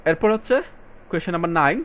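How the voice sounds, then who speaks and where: Tutor reading English words slowly. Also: male voice, fairly high pitch, expressive, fairly bright tone. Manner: switches between Bengali and English, reads passage lines slowly and stresses words; addresses students directly, casual colloquial. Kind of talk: recorded exam-prep lesson.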